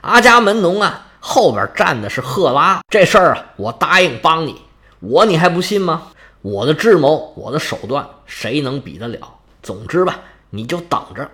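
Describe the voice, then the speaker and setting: A man voices the male king of the gods in a spoken storytelling tale. He drops low and quiet, weighing each word. His tone stays guarded and lordly, boasting of his own cunning. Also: sing-song, moderate pace.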